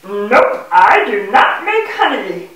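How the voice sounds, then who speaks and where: A woman's voice: medium pitch, sing-song, slow, fairly bright tone. A woman voicing a proud, bubbly male bee puppet in a children's show, boastful and theatrical with sing-song phrasing. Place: indoor puppet stage, far from the mic. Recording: echoey room, distant microphone.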